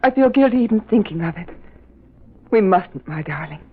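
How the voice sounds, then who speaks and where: Breathy, pleading woman in love. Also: medium pitch, lively intonation, normal speed. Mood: anxious, tender. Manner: melodramatic, pleading. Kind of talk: old-time radio drama acting. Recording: tinny vintage radio recording.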